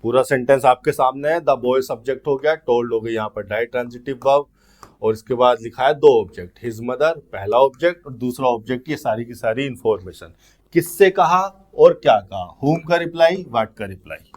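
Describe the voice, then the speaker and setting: A man with as his teaching English grammar in an exam-prep lesson, explaining step by step and reading the English questions out slowly. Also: medium pitch.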